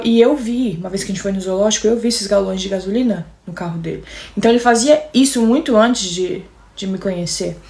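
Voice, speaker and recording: A woman's voice: mid-range voice, vocal fry, a little mellow. A young Brazilian woman with a Brazilian Portuguese accent, telling her own story to an audience in an emotional way and often speaking straight to the listeners. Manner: emotional, keeps addressing listeners directly.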